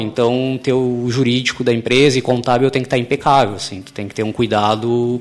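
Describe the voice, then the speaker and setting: At a moderate pace, someone speaks in a southern Brazilian accent against noticeable background noise. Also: man. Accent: southern Brazilian (gaúcho) Portuguese. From Porto Alegre, southern Brazil. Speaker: startup co-founder. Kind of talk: radio interview.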